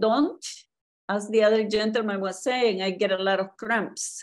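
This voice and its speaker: An unremarkable speaking voice with fairly even intonation against a quiet background. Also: woman. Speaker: patient; audience member. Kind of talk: question to doctor. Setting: video call. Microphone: video call.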